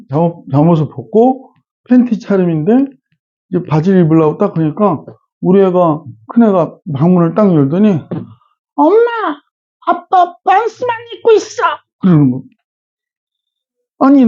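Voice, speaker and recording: A man's voice: high voice, dull audio. A middle-aged man teaching math in a classroom lecture, chatty and often checking in with his students. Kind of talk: classroom lecture with casual digressions.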